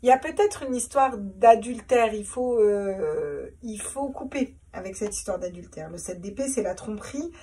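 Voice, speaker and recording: Casual tarot reader, woman, husky higher voice, recorded slightly distant. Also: lively intonation, normal speed, few pauses, warm tone. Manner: chatty, repeats words, laughs at herself. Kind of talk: casual tarot reading to camera.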